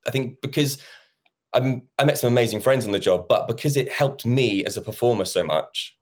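A man's voice: mid-range voice, brisk, darkish tone. A man in his thirties, a musical theatre actor chatting as an interview guest and acting out past conversations. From England. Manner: chatty, acts out quoted conversations. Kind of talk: casual interview chat.

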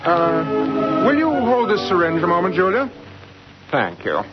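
An actor playing a scheming, softly persuasive doctor and husband in an old radio drama, hesitant and measured. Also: male voice, sits high, huge pitch swings, full character voice. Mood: quietly calculating. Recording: dull old radio recording with music.

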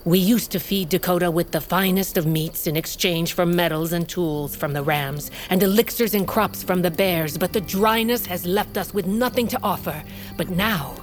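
A woman's voice: on the low side, normal speed, soft background music, lightly acted. An actress playing a proud, hard tribal queen who gives firm orders in an audio drama. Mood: scheming. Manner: authoritative, clipped commands. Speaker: queen of a wolf tribe.

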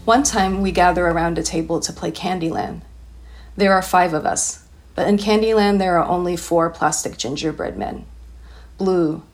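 A woman with a fairly low voice reads her own personal essay aloud. Her first language is Cantonese, and she takes a measured, reflective pace through the text.

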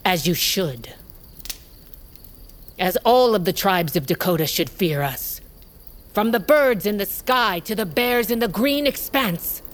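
An actress playing an imperious, ruthless tribal queen in a fantasy audio drama, speaking in measured commands. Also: mid-range voice, expressive, natural voice. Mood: menacing, proud.

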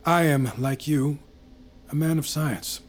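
An actor playing a calm, mercurial sorcerer-doctor who speaks in a measured, commanding way. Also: male voice, on the high side, husky. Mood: composed. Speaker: actor in audio drama. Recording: loud score mixed under voice.

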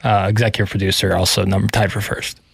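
Man, show producer, low flat voice, dry wit, dry close studio mic. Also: fast, gravelly, husky, dry recording. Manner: self-described monotone, wry and modest. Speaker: radio producer. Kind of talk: casual sports radio banter.

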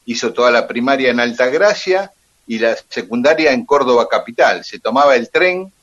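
Argentine man, radio storyteller, chatty, filler-heavy, mid-pitched, dull broadcast sound. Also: lively intonation, moderate pace, fairly bright tone. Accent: Argentine Spanish. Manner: chatty, full of fillers like "este" and "eh". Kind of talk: casual radio chat, storytelling.

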